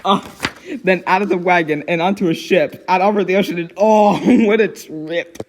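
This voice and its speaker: Man doing a high-voiced giggly little girl storyteller. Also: moderate pace, slight background noise. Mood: amused, storytelling. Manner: giggly, expressive. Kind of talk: dramatic storybook reading with giggly asides.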